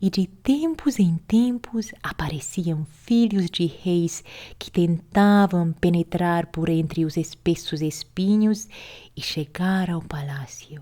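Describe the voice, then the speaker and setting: Speaking very slowly in a non-native accent, a woman with a fairly low pitch has a dark, mellow, somewhat breathy tone and ordinary pitch variation. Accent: foreign accent in Portuguese. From Europe. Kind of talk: fairy tale reading.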